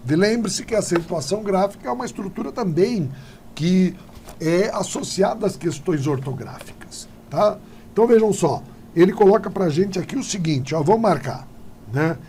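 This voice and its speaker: A Brazilian man teaching Portuguese in an exam-prep video lesson, talking straight to his viewers and checking in with quick tag questions. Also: on the high side, dark tone, a little hiss or hum.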